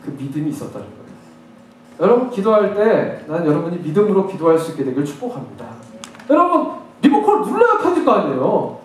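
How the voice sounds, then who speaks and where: A high-pitched man preaches with swooping, lively intonation, jumping between hushed asides and excited acted-out prayers. His voice rings through a very echoey church hall, picked up from some distance away. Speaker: pastor. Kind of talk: sermon. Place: church sanctuary.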